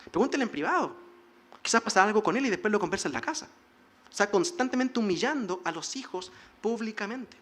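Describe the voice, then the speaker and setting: A male pastor delivers a sermon in a high, ringing voice. He exhorts the congregation earnestly and slips into short acted lines of dialogue to make his point. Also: a bit bright. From Chile.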